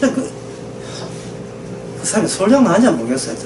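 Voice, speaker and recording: A woman's voice: medium pitch, very animated, fairly quick, noisy background. A woman preaching a sermon, emphatic and full of rhetorical questions, often prodding listeners for agreement. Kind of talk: sermon lecture. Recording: echoey room from a distance, faint ambience.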